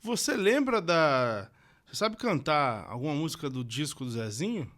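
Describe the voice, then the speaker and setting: Man, podcast host, curious relaxed questions, fairly high voice, very lively pitch. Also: moderate pace. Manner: curious, relaxed interviewer who laughs along. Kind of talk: casual interview questions.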